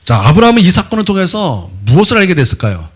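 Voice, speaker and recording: A middle-aged man preaching to his congregation in a church. His husky voice sits a little high and leaps around in pitch, and he keeps asking the listeners questions as he goes. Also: fast talker. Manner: lively, asks the congregation questions, acts out quotes. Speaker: pastor. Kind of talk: sermon. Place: church sanctuary.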